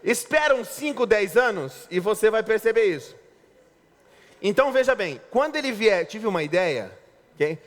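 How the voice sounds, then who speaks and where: A Brazilian pastor preaching with a high, animated voice that jumps all over the place. He jokes and acts out husbands and wives as he goes. The sound carries a long reverb from a large hall. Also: moderate pace. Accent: Brazilian Portuguese. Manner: lively, joking preacher acting out spouses' lines. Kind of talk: sermon.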